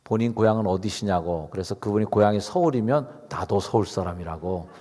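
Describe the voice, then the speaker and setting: A middle-aged pastor's sermon comes through a fairly low, warm voice at a brisk pace. He preaches in an easy, chatty manner, asking the congregation questions, and the church hall's long reverb hangs over everything in the sanctuary.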